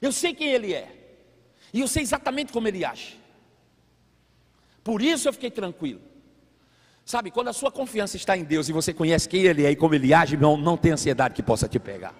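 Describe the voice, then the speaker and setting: A man preaching a sermon as a pastor, telling a family story with animated acted-out voices. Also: high-pitched, brisk, long pauses. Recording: long hall reverb.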